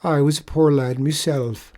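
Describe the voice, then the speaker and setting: A storyteller voicing a soft-hearted, weepy male tradesman with an Irish accent, easily moved to sobbing. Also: mid-range voice, fairly even intonation, unhurried, pitched above the performer's own voice, lightly acted. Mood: sympathetic.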